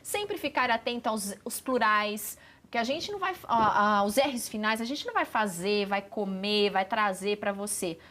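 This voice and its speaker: A woman speech therapist, a guest on a TV talk show, explaining voice care clearly and demonstrating exercises. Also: medium pitch, expressive, normal speed, bright, forceful tone. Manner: clear, didactic, demonstrates sounds. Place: TV studio.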